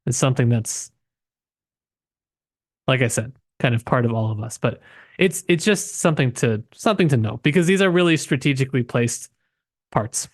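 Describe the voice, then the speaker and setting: Casting: man for literary podcast co-host. Medium pitch, reflective and self-qualifying, casual delivery, very little room sound. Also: expressive, normal speed, pauses often, no room sound, clean studio sound.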